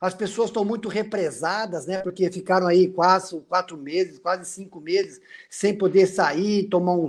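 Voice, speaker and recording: Ordinary pitch variation carries this voice along at a moderate pace. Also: man. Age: 60s. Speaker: physical education teacher and basketball coach. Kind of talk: live video chat introduction.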